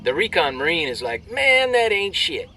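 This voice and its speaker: An actor playing a brash, crude army soldier telling jokes with swaggering military banter and drawn-out delivery. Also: male voice, sits high, very animated, pushed and bright, far from the mic, faint music behind, full character voice. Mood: cocky, joking. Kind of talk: military banter, performed joke storytelling.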